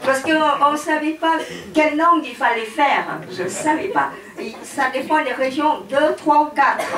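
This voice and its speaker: Speaking at a fairly slow pace with long, frequent pauses, a woman uses lively intonation and a high pitch amid audible room echo and noticeable background noise. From Cambodia. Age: 60s. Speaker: theologian. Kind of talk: lecture. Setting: conference hall with audience.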